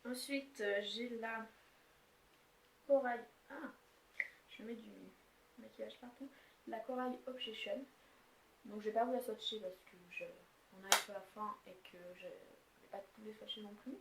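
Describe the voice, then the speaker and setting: A young woman with a fairly high, fairly even voice talks a little slowly, leaving long pauses, as she shows off and swatches her makeup palettes in a rambling, casual chat full of fillers and restarts. She's a beauty vlogger, chatty and meandering, recorded on her camera's built-in mic in an echoey room with faint noise.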